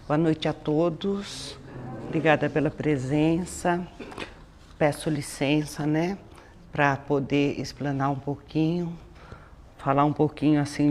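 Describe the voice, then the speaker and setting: A woman's voice: low-pitched, a little mellow, slight background noise. A woman with a Brazilian accent giving an informal religious talk as a lecturer, in a didactic manner with frequent tag questions. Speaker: spiritist lecturer.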